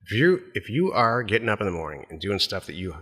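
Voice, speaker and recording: A man's voice: on the low side, sing-song, quick pace, fairly bright tone, husky, big-room sound. A middle-aged American man co-hosting a podcast, chatting casually about business in a blunt, plain-spoken way. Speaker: podcast co-host.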